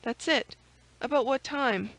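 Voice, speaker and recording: A woman storyteller plays a gallant young musketeer from a classic adventure book. He is brisk and sure of himself, giving orders and coaxing by turns. The recording is dry and close. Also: high voice, fairly bright tone, no echo, pitched above the performer's own voice, rough recording. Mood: urgent.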